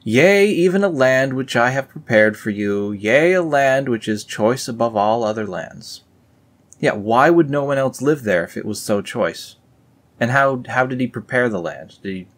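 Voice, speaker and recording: Young man, low voice, reads old scripture aloud and cuts in with dry, sarcastic, rambling remarks. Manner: dry, mocking asides with filler-heavy ramble. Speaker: reader and commentator.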